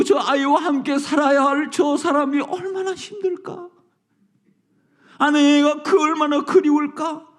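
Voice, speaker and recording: A male pastor preaching a sermon at an early morning prayer service, dramatic, dropping to whispers and rising to loud lines. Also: extremely high pitch.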